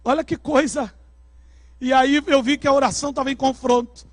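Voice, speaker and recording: A Brazilian male pastor with a strikingly high voice tells a story from the pulpit. His delivery is dramatic and swells into shouts at the peaks. The sound is close and dry, with almost no room echo. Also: fairly even intonation, normal speed. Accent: Brazilian Portuguese. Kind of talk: sermon testimony. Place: church service.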